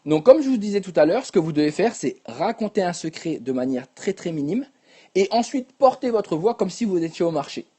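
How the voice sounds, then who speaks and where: A young man coaching public speaking live, talking straight to viewers and demonstrating whispers and shouts. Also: high-pitched, very animated, brisk, breathy edge.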